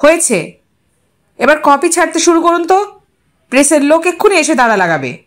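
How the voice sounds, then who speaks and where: A woman's voice: high-pitched, sing-song, normal speed, voice pushed up. A woman voicing a reserved, self-conscious newspaperman with a dry, brusque manner in an audio story. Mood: mock scolding.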